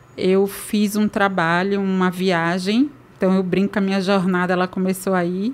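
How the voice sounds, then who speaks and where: With a northeastern Brazilian accent, a woman speaks at a moderate pace and medium pitch. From Northeast Brazil, Recife, Pernambuco. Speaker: people and business strategist, speaker. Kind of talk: interview.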